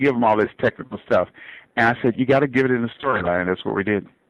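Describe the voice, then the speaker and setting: A speaker with a Southern US accent talks with lively intonation. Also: man. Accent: Southern American. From US South. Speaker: surgeon. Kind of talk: interview. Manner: halting.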